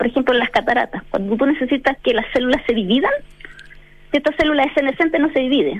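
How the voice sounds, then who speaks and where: Her high-pitched voice rushes along at a very fast pace as the woman speaks. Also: ordinary pitch variation. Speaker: biomedical researcher. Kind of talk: interview.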